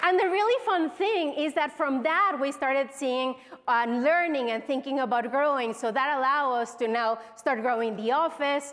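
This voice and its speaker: Over noticeable background noise, a woman with a Mexican accent speaks at a moderate pace and a high pitch, with lively intonation, very even loudness and hardly any pauses. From Mexico. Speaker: product executive. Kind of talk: conference keynote. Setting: stage with audience. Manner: halting.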